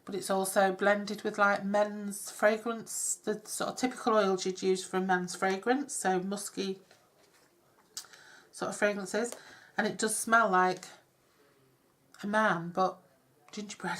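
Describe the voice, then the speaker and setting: A middle-aged woman with a cold, chatting her way through a craft demonstration with soft, self-deprecating asides. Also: mid-range voice, fairly even intonation, slow. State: congested with a cold. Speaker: craft tutorial host. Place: home craft table. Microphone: overhead camera on hands, speaker off-screen.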